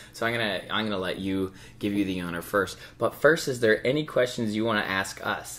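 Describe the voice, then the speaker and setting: Fairly low in pitch, a man talks in an unremarkable speaking voice. His pace is fairly quick, with ordinary pitch variation. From Canada. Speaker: podcast co-host. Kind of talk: casual chat.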